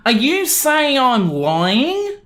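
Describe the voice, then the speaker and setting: A man voicing a haughty, indignant, demanding mother in a storytelling narration, with a shrill delivery. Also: huge pitch swings, drawn-out words, a bit bright, heavily acted. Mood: offended, demanding. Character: pushy, indignant entitled middle-class mother, adult woman.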